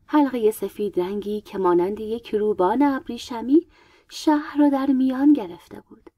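A woman narrates a first-person story in a calm, measured reading, at times sinking almost to a whisper. Her voice sits a little high but sounds soft and mellow. It is recorded on a close mic in a dry, dead space. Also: no room sound. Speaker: audiobook narrator.

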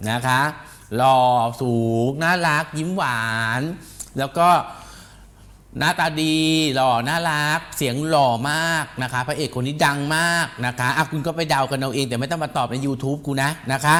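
A man hosting a celebrity gossip show, talking in an animated, repetitive way and ending nearly every phrase with a polite particle. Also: mid-range voice, moderate pace. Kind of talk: chatty entertainment gossip talk.

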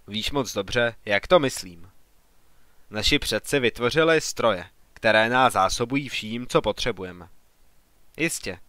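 A man's voice: mid-range voice, pushed and bright, dry recording. A man voicing a proud, dismissive older artist who scolds his son in an audiobook. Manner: scornful, gruff.

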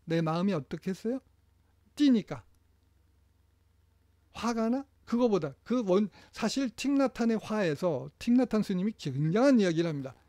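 A middle-aged man delivers a training lecture in a fairly high voice. He stays lively and acts out what parents say. The sound is dry and close. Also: normal speed, no room sound.

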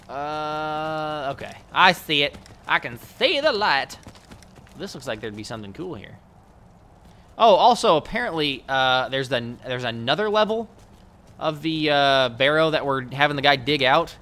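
Profane, animated man narrating gameplay. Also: fairly high pitch, moderate pace, slight background noise. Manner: profane, rambling, talks to the game. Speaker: let's play host. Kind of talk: casual gameplay commentary.

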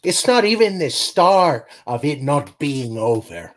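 A man's voice: on the high side, very animated, unhurried. A man reading a flustered, flamboyant young gay customer with a slight Hispanic accent over a video call.

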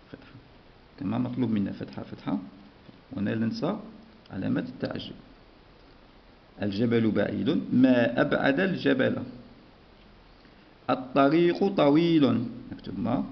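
A man's voice: medium pitch, moderate pace, gravelly, long pauses, slight background noise. A man teaching a primary school lesson, patiently dictating and repeating words. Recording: dull lo-fi recording.

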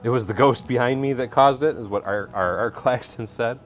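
A man's voice: mid-range voice, fairly quick, soft background music. A middle-aged man hosting a live building stream, chatting casually, reading viewer comments and laughing easily. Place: indoor workshop room.

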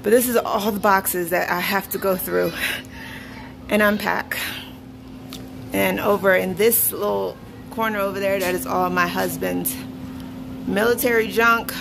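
A woman's voice: mid-range voice, steady tone, unhurried, creaky, long pauses. A young woman walking through her house and chatting casually about each room, laughing often and ranting now and then, filmed on a handheld phone. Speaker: vlogger. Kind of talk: casual house tour vlog. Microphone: phone camera held while walking. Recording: noisy home recording.

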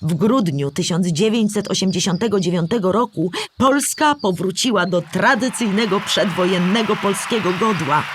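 A woman's voice: medium pitch, lively intonation, moderate pace, hardly any pauses, husky. A woman playing a storyteller who explains history to a child in a scripted children's audio play. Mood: explanatory.

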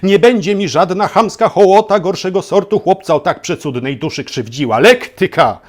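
A man's voice: high-pitched, expressive, moderate pace, pitched above the performer's own voice. A man voicing a pompous, imperious little ruler in a satirical storybook tale, declaiming his commands. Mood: outraged.

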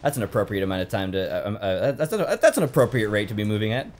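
A man's voice: lowish voice, lively intonation, rapid-fire, faint music behind. A man casually commenting on his own gameplay, rambling and swearing with self-deprecating jokes. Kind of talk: casual let's-play banter.

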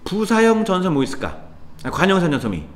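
Male cram-school tutor, fairly high and very animated voice, chatty classroom lecture style. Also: fast. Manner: lively, chatty teacher addressing students, sudden mutters and exclamations. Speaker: Korean language tutor.

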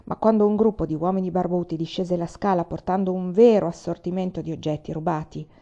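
A woman narrating a novel aloud in a steady, expressive reading style. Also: fairly low pitch, brisk, dull audio. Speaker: audiobook reader.

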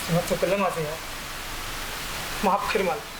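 A man's voice: sits high, fairly even intonation, measured pace, reverberant, noisy background. A man acting a remorseful young son who pleads and calls out in an amateur short film.

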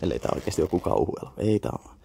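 Young Finnish man, low and gravelly, mumbling half-whispered asides, noisy camera mic. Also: very animated, mellow. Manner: mutters to himself, half-whispered asides, swears offhand. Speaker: vlogger browsing a flea market. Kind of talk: casual muttered commentary to camera. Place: indoor flea market.

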